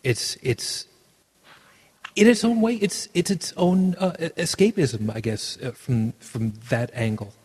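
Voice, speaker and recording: A man with a husky, breathy voice hosts a casual podcast chat. He is easygoing and agreeable, stumbling over his words as he goes. His voice trails off into long reverb. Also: a little high, measured pace. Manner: relaxed, agreeable, stammering restarts. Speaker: podcast host. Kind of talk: casual conversation.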